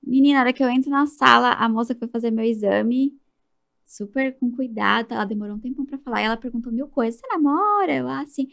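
A Brazilian woman in her thirties, a podcast guest, telling a story in an animated way and acting out the people in it. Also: fairly high pitch, quick pace, gravelly. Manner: animated, acts out quoted voices. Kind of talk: casual storytelling interview.

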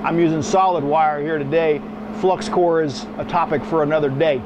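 Here the welding instructor, a middle-aged man, talks through a hands-on lesson in his small workshop while operating the machine, blunt and folksy throughout. His voice sits a little high, with a steady tone and normal speed over a noisy background.

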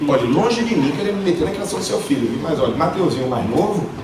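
A man in his thirties with a Northeastern Brazilian accent doing an animated stand-up set into a handheld mic, acting out quoted voices. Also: a little high, fast talker, far from the mic, crowd noise. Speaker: stand-up comedian. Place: theater stage before a live audience. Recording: roomy theater sound with loud laughter.

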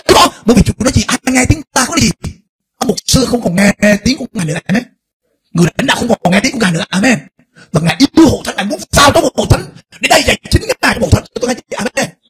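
A middle-aged male pastor preaching a fervent sermon, dropping to a hush and then rising to shouts. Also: sits high, sing-song, fast, breathy edge. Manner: impassioned preaching, swings between hushed and shouted.

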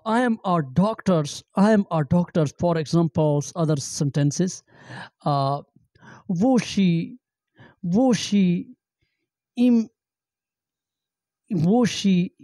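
A middle-aged man giving an amateur language lesson, halting and repeating phrases with many fillers, speaking into a handheld microphone in a small room. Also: high-pitched, warm tone, no room sound. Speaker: language teacher. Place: small indoor room with green backdrop.

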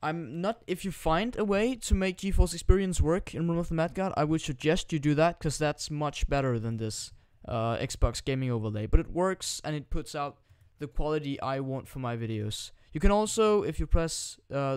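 A Danish teenage boy talks in a forced British accent, loose and joking with plenty of restarts. His voice sits a bit high and comes through smooth and clean. The sound is dry and close to the mic. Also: normal speed, hardly any pauses, a little mellow, no room sound. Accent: put-on British accent. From Denmark. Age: teens. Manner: rambling, joking and crude, with frequent restarts. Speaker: gaming YouTuber. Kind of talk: casual screen-recording tutorial commentary. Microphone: new desktop microphone.

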